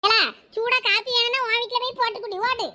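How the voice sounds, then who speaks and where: A woman's voice: extremely high pitch, little pitch movement, quick pace, pushed and bright. A woman voicing a bossy village mother in a cartoon who grumbles and scolds in a Thoothukudi Tamil accent. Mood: scolding.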